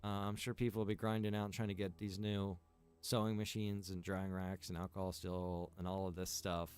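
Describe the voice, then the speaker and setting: A man with a low, smooth and resonant voice chats loosely on a livestream and walks through his game server's new features. He rambles, fills pauses with "uh" and "like", and ticks items off one by one while faint music plays underneath. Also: flat delivery, a little mellow. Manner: rambling, filler-heavy, lists features one by one. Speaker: game server owner and developer. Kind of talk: casual livestream chat.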